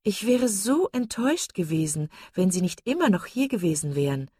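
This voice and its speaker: A woman's voice: fairly low pitch, expressive, moderate pace, a little mellow, breathy edge, no room sound, clean studio sound. A woman voicing a young woman who gushes with false sweetness and sly digs. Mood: gushing.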